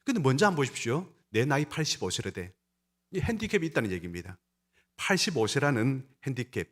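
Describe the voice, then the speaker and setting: Man, pastor, sermon, emphatic, rising and falling delivery, speaks to the congregation, mid-pitched voice. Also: very animated, brisk. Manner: talks to the congregation directly.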